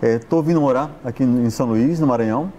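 A Brazilian fashion stylist in his forties, a guest seated on a sofa on a TV studio set, chats in a casual interview through a lapel mic. He gestures with his hands and keeps tagging sentences with questions. His medium-pitched voice is warm and quick, with a little hiss or hum.

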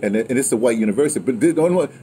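Animated older American man telling stories. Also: medium pitch, rapid-fire. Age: 60s. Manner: animated, digressive storyteller. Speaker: host of an audio memoir channel. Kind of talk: casual storytelling chat. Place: outdoors on a patio in daylight. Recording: outdoor ambient noise.

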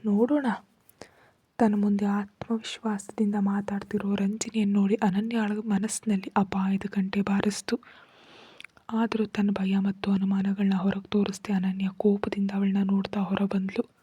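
A woman tells a story entirely in a husky, breathy whisper, low and dark in tone. Her pitch barely moves, and the recording is close and dry with no room sound. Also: normal speed, no room sound. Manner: soft steady whisper throughout.

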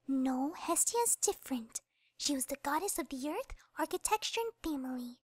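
A woman's voice: sits high, expressive, normal speed, no echo, clean studio sound. Woman voicing Fluttershy, a timid stammering pony. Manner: shy, stammering, soft-spoken. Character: Fluttershy, timid gentle young mare.

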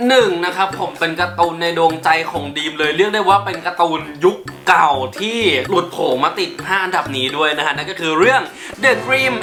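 A man hosting a casual countdown in a chatty way, who giggles often and gets excited and squeaky. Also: reverberant. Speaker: YouTube host.

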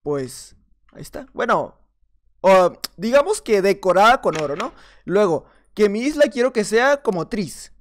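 A man's voice: high voice, big pitch swings, measured pace. A man with a Mexican accent giving casual, chatty commentary on his own gameplay, laughing at himself and muttering under his breath. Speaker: gaming video creator.

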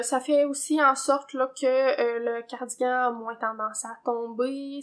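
Québécoise woman host, high-pitched, chatty, filler-heavy, casual knitting vlog. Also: a bit bright. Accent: Québécois French. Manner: chatty, many fillers and hedging tags. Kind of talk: casual chat. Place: home, indoors.

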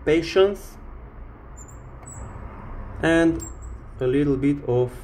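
A man presenting a hands-on repair tutorial, explaining step by step in short, halting phrases. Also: a little high, darkish tone, a little hiss or hum. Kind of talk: hands-on instructional demonstration.

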